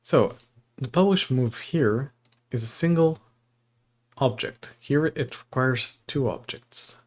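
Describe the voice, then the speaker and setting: A man's voice: mid-range voice, takes it slowly. A young man from Portugal chatting on a livestream, rambling with fillers and reading text aloud at his desk mic. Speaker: streamer. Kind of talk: casual livestream chat and reading.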